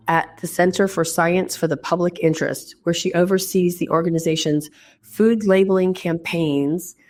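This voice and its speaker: A podcast host with a lowish, darkish voice conducts a casual interview show from a hotel room. She's chatty and enthusiastic but sounds stuffy, as if she has a head cold.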